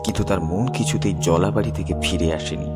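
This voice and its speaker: A man's voice: deep voice, brisk, loud music behind the voice. A man narrating a scripted horror story in a dramatic, suspenseful storyteller's manner.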